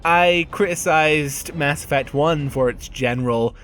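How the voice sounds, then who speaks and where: A man's voice: a little high, a little slow, fairly bright tone. Man narrating a video review over music. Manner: conversational, candid, wry, mildly sweary. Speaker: game reviewer and host.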